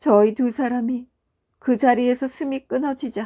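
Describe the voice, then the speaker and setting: The sound is dry and close, with no echo. A woman speaks at a fairly slow pace with fairly even intonation. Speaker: storyteller who records audiobook-style folk tales. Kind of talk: sleep story narration.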